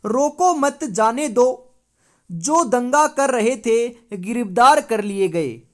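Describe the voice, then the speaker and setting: Woman, teacher, from India, exam-prep quiz lesson, reads options aloud, repeated confirming phrases, fairly high voice. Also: animated, slow pace.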